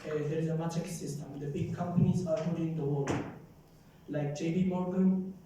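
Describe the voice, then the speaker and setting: A young man from Somalia asking long, halting questions at a forum Q&A, often repeating and rephrasing himself. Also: fairly high pitch, steady tone, recorded from a distance, noisy background. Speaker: audience member asking questions. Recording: roomy hall, speaker off mic.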